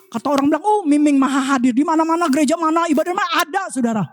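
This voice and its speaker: A woman's voice: high voice, rapid-fire, dry recording. A woman preaching a sermon in church, talking animatedly and calling out to the congregation again and again. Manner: animated, addresses congregation as "Saudara" constantly.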